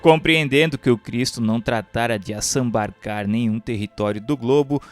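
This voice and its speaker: Male narrator, medium register, formal and measured scripted read over a light music bed. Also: mid-range voice. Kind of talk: scripted audiobook-style narration of a spiritual history text. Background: instrumental music.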